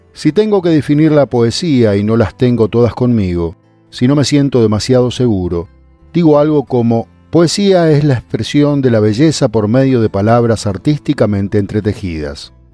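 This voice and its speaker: Over music in the background, the speaker talks at a moderate pace with lively intonation and very even loudness. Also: man, medium pitch for a man. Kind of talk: documentary narration.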